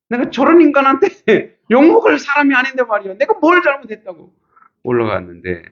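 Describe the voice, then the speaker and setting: A middle-aged man preaching as a pastor, telling a personal story with lively acted-out quotes and frequent laughter. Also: lowish voice, husky, lo-fi sound. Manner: animated, acts out quotes, laughs often. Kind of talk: sermon with storytelling.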